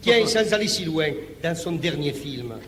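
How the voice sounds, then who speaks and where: A man's voice: on the high side, animated, moderate pace, fairly bright tone, slight background noise. An actor playing a chatty man who teases a boastful friend, laughing as he talks. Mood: teasing. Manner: teasing, laughing. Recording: old film soundtrack with hall reverb.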